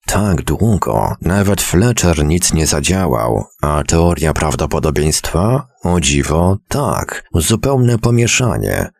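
A man's voice: low-pitched, animated, slow, creaky, hardly any pauses, a little mellow, dry recording, studio quality, exaggerated voice. A man reading a story aloud and voicing a drunken, bloated man who rambles on about having once been a great scientist. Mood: drunken rambling. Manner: mumbling, rambling, slurred. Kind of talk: audiobook character reading.

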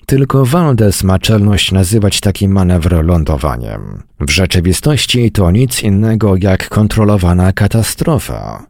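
A man's voice: sits low, big pitch swings, a little slow, hardly any pauses, a little mellow, no echo, studio quality, exaggerated voice. A man voicing a cynical, grumbling male soldier who mutters sarcastic remarks.

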